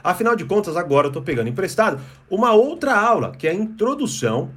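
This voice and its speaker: A man explains things in an online lesson, talking in loose bursts full of "né?" and "percebe?". His voice sits a little high and sounds husky. His pitch swings widely as he talks. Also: big pitch swings, quick pace, a bit bright. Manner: acts out short sneering quotes of other people. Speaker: online course teacher. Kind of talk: explanatory talk to camera.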